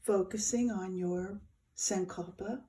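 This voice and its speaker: A woman leads a guided meditation as a yoga teacher. Her voice is mellow and relaxed, at a middle pitch. She speaks very slowly and soothingly, leaving space between short phrases.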